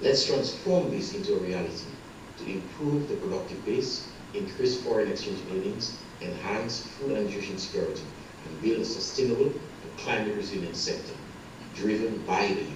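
A man at a moderate pace, with noticeable background noise and audible room echo. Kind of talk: formal prepared speech. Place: hall.

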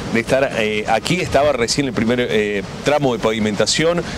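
Noticeable background noise sits under a man's voice, which has ordinary pitch variation and a dry sound with no echo. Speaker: TV field reporter. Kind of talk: live news report. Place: street. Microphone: handheld.

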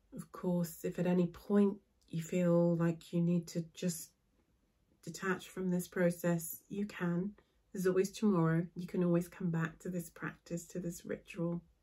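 A woman speaks in a fairly low, somewhat breathy voice with a soothing, warm tone that is also dark and mellow. Her intonation is monotone and flat, and the background is quiet. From New Zealand. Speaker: spiritual tarot channel host. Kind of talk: gentle guided candle-gazing meditation with breathing cues. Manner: slow, soothing, hushed pacing; warm, reassuring and intimate. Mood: calm, soothing, gentle. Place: home room.

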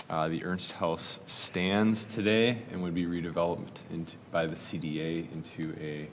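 Noticeable background noise sits behind a man's very deep, low voice. He speaks at a fairly slow pace with fairly even intonation. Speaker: presenter. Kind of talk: meeting presentation. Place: hall. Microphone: podium.

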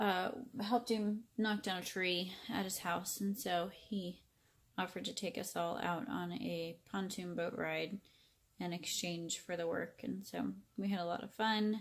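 Somewhat breathy, a woman talks at a fairly slow pace with ordinary pitch variation. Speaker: homeschooling parent vlogger. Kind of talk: casual vlog chat. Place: home room. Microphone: phone near.

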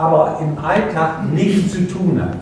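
A man talks in a high pitch with ordinary pitch variation. Audible room echo and light background noise surround him. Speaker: audience member. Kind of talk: audience question. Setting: event hall with microphone. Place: stage.

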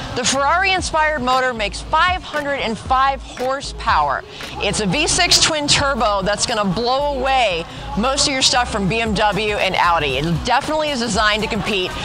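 Music plays in the background as a woman talks. Her pitch is high, and her pace is moderate. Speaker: presenter. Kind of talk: commentary. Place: hall.

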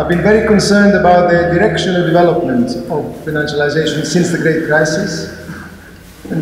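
A man at a fairly quick pace with ordinary pitch variation, light background noise and audible room echo. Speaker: keynote speaker, economics professor. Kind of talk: lecture. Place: hall. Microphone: podium.

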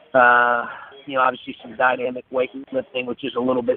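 Over light background noise, a man speaks at a very fast pace in a monotone, flat intonation, the sound dry with no echo. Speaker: basketball coach. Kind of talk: press teleconference answer. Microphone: phone line.

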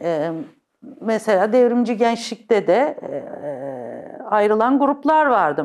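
A woman speaks very slowly, her pitch swinging very widely. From Turkey, Mersin; Turkey. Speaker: former student activist; oral history narrator. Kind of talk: oral history interview. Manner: halting with many fillers. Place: studio.

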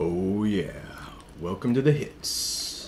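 A man's put-on character voice, fairly low in pitch, with lively intonation and clear background noise. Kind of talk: casual vlog chat. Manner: smooth, announcing. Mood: relaxed, joking.

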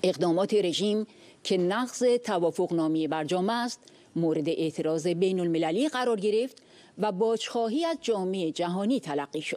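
A woman's dark, mellow tone with lively intonation. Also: medium pitch for a woman, moderate pace. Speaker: narrator reading statement. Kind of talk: reading aloud. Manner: formal.

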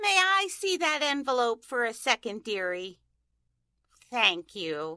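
A woman uses a put-on character voice pitched high. Her pitch swings very widely. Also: dry, close sound with no echo. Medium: audio drama. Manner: sugary, calls people sweetie and dearie.

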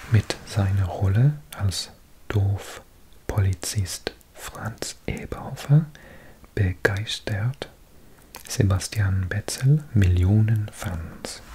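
A man's fairly low-pitched voice with a non-native accent, a very slow pace, long and frequent pauses, ordinary pitch variation, and light background noise. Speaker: ASMR creator. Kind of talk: magazine reading. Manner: soft-spoken, sometimes whispered. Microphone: studio mic.

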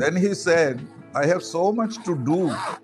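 The pace is moderate. Music plays clearly in the background. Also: man. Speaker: talk show host. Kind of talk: interview conversation, storytelling and questions. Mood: relaxed, amused. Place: home room. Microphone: video call.

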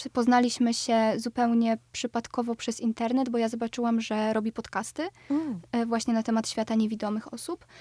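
A woman with a plain, everyday voice talks at a fairly quick pace with hardly any pauses and fairly even intonation. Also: fairly high pitch for a woman, very clean recording, silent background. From southeastern Poland (Podkarpacie). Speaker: acting student and playwright. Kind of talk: interview.

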